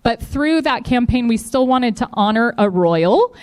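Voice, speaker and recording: A woman's voice: fairly high pitch, lively intonation, unhurried, a little mellow, clean tone. A woman giving an upbeat, encouraging speech at a live community event, thanking donors and promoting a fundraiser. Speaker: foundation representative speaking at a district event.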